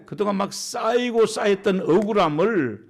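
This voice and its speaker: A man delivering a sermon as pastor, talking in a plain, colloquial way. He hammers each point with repeated short endings. His voice sits fairly high for a man. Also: lively intonation, normal speed. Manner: emphatic, colloquial, repeats punchy sentence endings.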